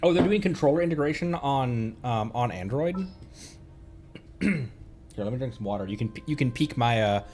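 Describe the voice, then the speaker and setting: A male streamer talks in a casual, rambling way, thinking out loud as he plays and greets viewers. His pitch is mid-range but swings about in a lively way. Music plays behind him. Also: moderate pace. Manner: rambling, chatty, thinking aloud. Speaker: livestreamer hosting a game stream. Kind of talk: casual gaming chat with viewers.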